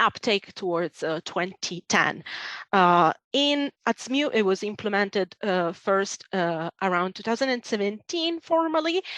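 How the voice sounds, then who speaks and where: In an Italian accent, the speaker moves at a fairly slow pace with very wide pitch swings, recorded dry and close with no echo against a quiet background. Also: woman. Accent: marked Italian. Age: 30s. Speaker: university staff presenter. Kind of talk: conference presentation. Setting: video call from home. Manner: halting, many fillers.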